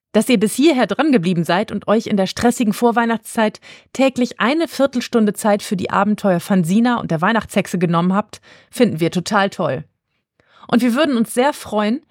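Brief: female podcast narrator, clear and even storytelling, dry studio recording. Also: mid-range voice, no room sound.

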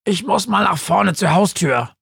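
A man's voice: high-pitched, lively intonation, unhurried, vocal fry, fairly bright tone, husky, no echo, clean studio sound, voice pushed up, heavily acted. A man voicing a grumpy, armless little flying house ghost who calls out bossily, in an audiobook. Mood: harried. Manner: harried, bossy calling out. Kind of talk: audiobook character voice.

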